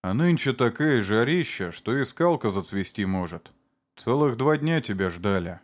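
A man voicing a middle-aged man who calmly, then tearfully, defends himself before his neighbours. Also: medium pitch, normal speed, lightly acted. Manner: calm, then pleading and tearful.

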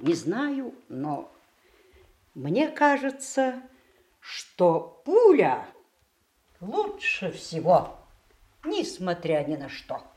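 An actress playing a reflective, wry mature woman in a Russian radio play, musing aloud with dramatic pauses. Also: fairly low pitch, wildly swooping pitch, darkish tone, heavily acted. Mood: grave irony. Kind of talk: Russian radio theatre monologue.

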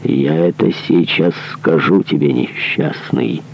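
Vengeful monk, male reader doing him low, slow and gravelly, quietly menacing. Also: slight background noise, full character voice. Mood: cold menace. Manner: hushed, menacing and demanding. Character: stern, vengeful male monk, cold and relentless.

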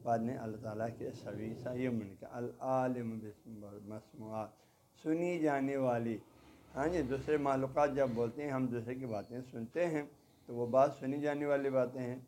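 A man's voice: mid-range voice, fairly even intonation, mellow, a little hiss or hum. A man giving a religious lecture who explains word meanings step by step, repeats each gloss and often adds a short "haan ji". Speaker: religious teacher. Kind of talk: lecture explaining a devotional text.

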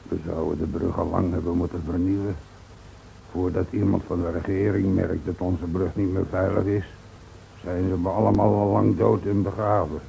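An actor playing a guilt-ridden, excitable mountain villager in a Dutch radio drama. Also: male voice, low voice, moderate pace, creaky. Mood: grim. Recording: dull, faintly noisy old radio recording.

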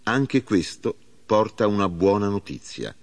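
A man voicing an old king, a father mourning his son, in a solemn, measured reading. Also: on the low side, sing-song.

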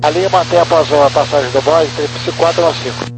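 A male pilot with a fairly high voice makes brief procedural radio calls and readbacks. The cockpit radio is clearly noisy and humming. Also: steady tone, a little fast. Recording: noisy aviation radio with hum.

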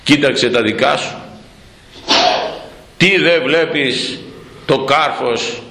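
A man preaching a sermon, animated, slowing down to quote old scripture. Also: mid-range voice, vocal fry, reverberant, a little hiss or hum, low-quality recording.

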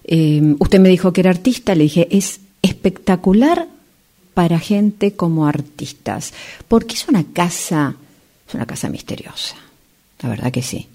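A woman in an amateur radio play acting a smooth-talking, insistent female real estate agent, with theatrical dramatic pauses. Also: lowish voice, lively intonation, warm tone. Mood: persuasive.

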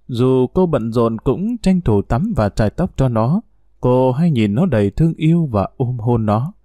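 A man narrating a story in a steady, measured reading voice. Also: medium pitch, no echo, studio quality.

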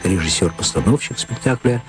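A man working as a radio announcer, giving a formal, measured scripted introduction to a broadcast. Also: lowish voice, expressive. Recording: loud music under the voice. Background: loud music.

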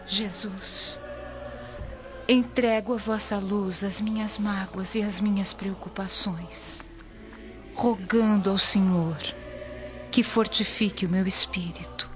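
Actress for gentle young Christian woman of ancient Rome: solemn, prayerful, unhurried radio-play delivery over prominent music. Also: mid-range voice, close to an everyday voice. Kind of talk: dramatised radio play acting. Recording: dull lo-fi audio under loud music.

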